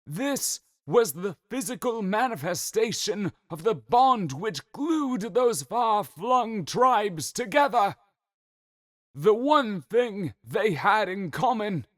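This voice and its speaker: Man acting a high, fervent prophet's chronicler. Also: big pitch swings, slow, dry recording, studio quality, heavily acted. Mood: fervent, reverent. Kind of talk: dramatic scripted narration.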